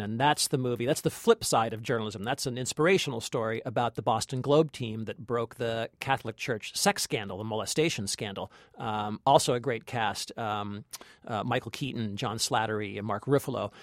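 A man's voice: mid-range voice, dry recording. A man chats about films as a podcast critic, recorded close and dry. His delivery is enthusiastic and casual, with repeated words as he gathers his phrasing. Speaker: podcast co-host, film critic. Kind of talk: casual film review chat.

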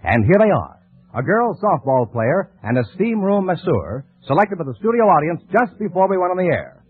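A man announcing on a 1940s radio show, reading sponsor pitches and game updates. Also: big pitch swings, moderate pace, breathy edge, no echo. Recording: muffled, dry old radio recording.

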